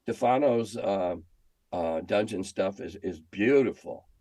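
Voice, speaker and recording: An older American man, a veteran game designer and editor, speaks as an interview guest in a fairly low, mellow voice, taking his time. Opinionated and emphatic, he tells stories in conversational answers and repeats phrases for stress. The recording is dry, with no room echo.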